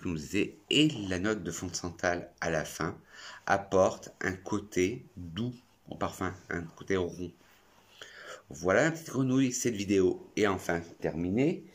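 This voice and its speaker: A man's voice: low-pitched, fairly bright tone. A French man reviewing perfumes in a chatty, effusive vlog. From France. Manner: chatty and effusive, talks to himself. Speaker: perfume youtuber.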